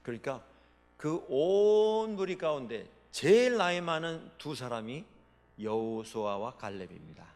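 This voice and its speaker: A male pastor preaching a sermon, with dramatic swings between loud proclamations and quiet asides. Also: a little high, big pitch swings, measured pace. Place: church sanctuary. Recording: long reverb of a large hall.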